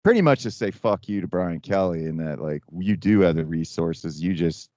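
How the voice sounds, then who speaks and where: Low-pitched male guest writer, wry and blunt, dry close sound, lo-fi. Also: expressive, normal speed, darkish tone, dry recording. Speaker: guest sportswriter. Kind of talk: casual sports chat. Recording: dry, dull lo-fi audio.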